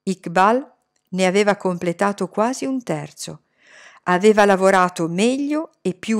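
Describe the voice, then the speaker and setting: A woman narrating a novel chapter in the first person, measured and expressive. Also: lowish voice. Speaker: audiobook reader. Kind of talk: scripted narration.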